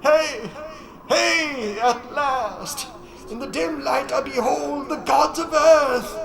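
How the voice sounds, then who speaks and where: A man voicing a frenzied old climber of a horror tale, shrieking in drawn-out exclamations. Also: very high-pitched, creaky, a crowd in the background, voice pushed up, exaggerated voice, rough recording. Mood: wild exultation. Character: wise old mountain climber, ecstatic then terror-stricken. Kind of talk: dramatic horror audiobook acting.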